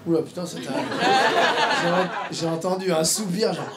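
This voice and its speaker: A man's voice: sits high, steady tone, normal speed. A man doing live stand-up in a comedy club, playful and teasing, with many fillers, as he banters with the crowd. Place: comedy club stage before an audience. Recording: loud noisy live club recording. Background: audience laughter.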